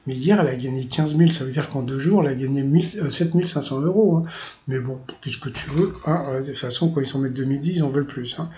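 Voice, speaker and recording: A fast-talking Parisian with a medium-pitched, slightly mellow voice recaps a TV quiz show for his channel, with a little hiss or hum audible. His casual commentary rambles, loaded with fillers and amused remarks.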